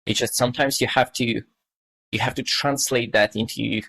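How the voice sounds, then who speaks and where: On this casual podcast, the guest is an Estonian man in his thirties whose native language is Russian, wandering thoughtfully through his points with plenty of fillers. His mid-range voice holds a steady tone at normal speed, sounding pushed and bright, and the audio is poor.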